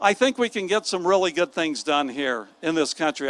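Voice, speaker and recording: A man speaks at a moderate pace with an American accent, his pitch high for a man and his intonation lively, in a dry recording with no echo. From Iowa, Sioux City. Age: 60s. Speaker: congressman. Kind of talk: political stump speech. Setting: outdoor stage at state fair with audience. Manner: folksy, halting with fillers. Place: stage. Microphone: handheld.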